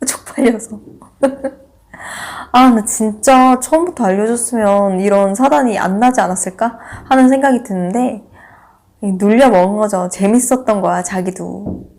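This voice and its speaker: A young woman vlogger telling a personal story in a casual, animated way, laughing often and acting out what people said. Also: mid-range voice, moderate pace.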